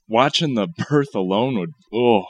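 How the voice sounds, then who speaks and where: A man's voice: mid-range voice, expressive, slow, highs cut off. A man co-hosting a comedy podcast, mostly giving short, laughing reactions. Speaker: podcast co-host. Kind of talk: casual comedy podcast chat.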